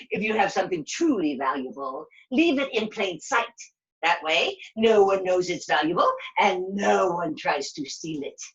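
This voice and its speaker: A woman's voice: lowish voice, a bit bright, highs cut off. A woman voicing a vain, scheming evil queen in a puppet show, theatrical and gloating, with cackles. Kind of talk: live puppet show villain.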